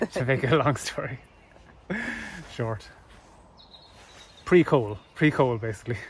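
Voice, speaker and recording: A strong Irish accent at a fairly quick pace. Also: man. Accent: thick Irish. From rural Ireland. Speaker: podcast co-host. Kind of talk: casual chat.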